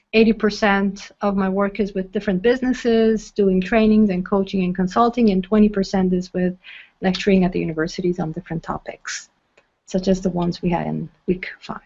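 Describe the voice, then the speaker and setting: A woman's voice: mid-range voice, darkish tone. A woman in her forties giving conversational interview answers as a guest on a muffled web call. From born in Iran, moved to the US aged three, grew up in expat family. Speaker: guest, consultant and university lecturer. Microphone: online video call.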